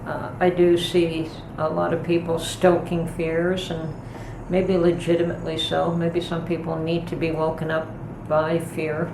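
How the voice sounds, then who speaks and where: Calm, low-voiced woman in an echoey kitchen. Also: gravelly. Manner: calm, unhurried, thoughtful with pauses. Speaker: homestead channel host. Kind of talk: casual kitchen vlog chat. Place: home kitchen. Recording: echoey room with noticeable background noise.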